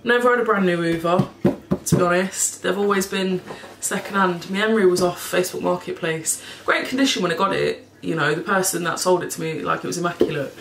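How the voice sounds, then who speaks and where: A cleaning vlogger talks to a camera set at table height in front of her, rambling casually in her home kitchen and now and then swearing or laughing. Her voice is fairly low, steady and fairly bright, a bit hoarse with a froggy throat, and she speaks briskly with hardly any pauses. The kitchen echoes and there's background noise.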